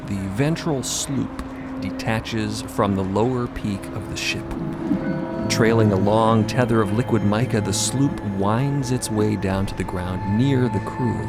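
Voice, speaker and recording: A man delivering dramatic scripted narration as a storyteller in an audio drama. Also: fairly low pitch.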